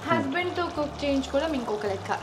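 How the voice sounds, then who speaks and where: A woman's voice: high voice, lively intonation, quick pace. A young woman from India's Telugu-speaking south, chatting casually as she hosts a home cooking vlog and slipping English phrases into her talk. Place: home kitchen. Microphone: small pocket camera. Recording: home recording with clear background noise.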